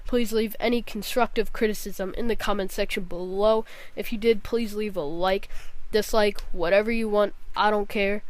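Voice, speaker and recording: A woman's voice: mid-range voice, steady tone, moderate pace, hardly any pauses, poor audio. A young woman with a nasal, congested voice from a cold, giving a casual, rambling gaming vlog. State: sick with a cold, scratchy throat, nasal. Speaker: gaming vlogger.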